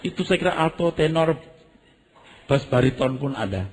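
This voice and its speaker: A man's voice: medium pitch, moderate pace, big-room sound, slight background noise. A man preaching a sermon, telling vivid stories and acting out screams and sounds, often addressing the congregation directly. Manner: animated storytelling, acts out screams and sounds. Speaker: pastor.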